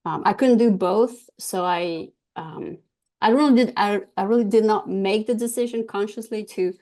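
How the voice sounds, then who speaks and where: A woman from Argentina whose first language is Spanish, a guest talking about her business in an interview, pausing often with ums and restarts. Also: mid-range voice, dark tone. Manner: hesitant, many ums and restarts. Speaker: guest, cybersecurity business owner. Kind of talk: casual interview talk.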